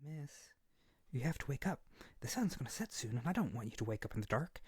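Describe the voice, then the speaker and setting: A man's voice: medium pitch, big pitch swings, fast talker, breathy edge, no echo, studio quality. A man voicing an eager, naive young male harpy in an ASMR roleplay, chattering earnestly and nervously to the listener. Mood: hushed, anxious. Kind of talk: ASMR roleplay audio drama.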